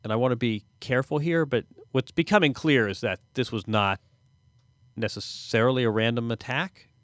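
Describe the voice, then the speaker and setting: A man's voice: mid-range voice, moderate pace, a bit bright, no echo. A man hosting a conversational sports podcast, speaking in thoughtful, hesitant phrases with dry asides. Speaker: podcast host.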